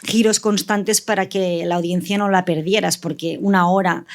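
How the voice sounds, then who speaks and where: A woman's voice: fairly low pitch, fairly even intonation, normal speed. A woman with an accent from Spain, talking casually as a writer in a panel discussion. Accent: Spanish from Spain. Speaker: audio fiction writer, panelist.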